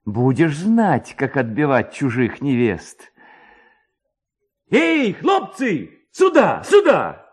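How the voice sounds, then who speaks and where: A man's voice: a little high, wildly swooping pitch, slow, husky, pitched above the performer's own voice, exaggerated voice. A man voicing a mischievous, spirited young village lad who rallies his friends in a dramatised story reading. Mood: gleeful, vengeful. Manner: spirited, exclaiming, rallying. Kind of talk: dramatised reading of a classic tale.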